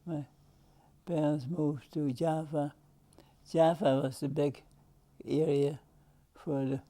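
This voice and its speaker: Gravelly, slow older man. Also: a little high, warm tone. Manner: slow, broken phrasing with pauses. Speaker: veteran pilot interviewee. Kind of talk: interview recollection.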